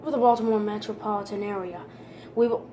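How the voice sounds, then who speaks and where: A woman delivers a formal emergency broadcast announcement. Her voice is dark and mellow, with very little movement in pitch and an impersonal delivery. The recording has a roomy echo. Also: steady tone, quick pace. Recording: roomy echo with faint background noise.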